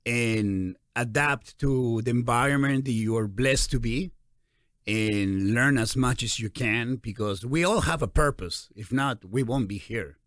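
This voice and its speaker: Man, forties, Peruvian Spanish accent, interview host, animated, philosophical, dead-dry recording. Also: medium pitch, no room sound. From Peru. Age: 40s. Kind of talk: casual interview.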